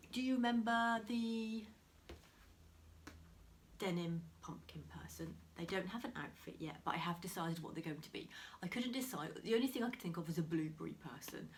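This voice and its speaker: A woman talks casually to camera, her voice set a little low and slightly nasal from a cold. She half-whispers, chats softly, and laughs quietly now and then. Faint rain patters behind her. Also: a little hiss or hum. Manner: soft, chatty, often half-whispered with small laughs. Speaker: crafting vlogger. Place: home room beside a window, heavy rain outside.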